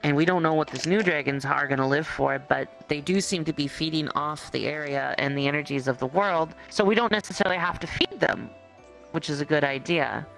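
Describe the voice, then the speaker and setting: A game master with a gravelly, mid-pitched voice narrates an improvised roleplay story. The telling is conversational and halting, addressed straight to the player. Faint music plays behind the voice. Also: fairly bright tone, rough recording.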